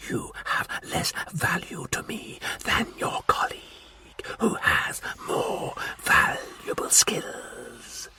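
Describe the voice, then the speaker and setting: A man voicing an arrogant, menacing Martian warlord in a slow, raspy, hissing whisper. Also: on the high side, very animated, sharp tone, pitched above the performer's own voice, exaggerated voice.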